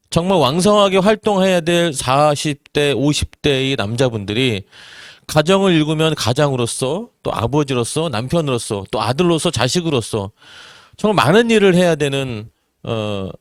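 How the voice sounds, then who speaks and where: Earnest man in his forties, lively pitch. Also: dry recording, clean studio sound. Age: 40s. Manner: earnest, rhetorical questions, many "eo" fillers. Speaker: network marketing business presenter. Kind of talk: seminar talk to an audience.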